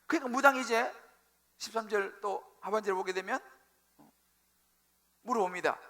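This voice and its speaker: A male pastor preaching a sermon, telling the story with animated, acted-out quotes. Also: high-pitched, normal speed. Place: church sanctuary.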